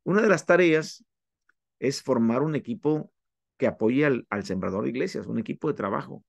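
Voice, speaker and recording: Gravelly man giving a methodical lecture. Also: mid-range voice, expressive, no echo. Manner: methodical, lists items one by one with pauses. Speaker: instructor. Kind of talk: classroom lecture on church planting.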